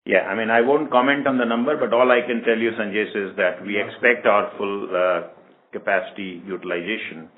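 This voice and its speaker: A man answering analysts as a company executive on a conference call, in a measured, deliberate way. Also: lowish voice, fairly even intonation. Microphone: conference call line. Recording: muffled lo-fi call, background noise.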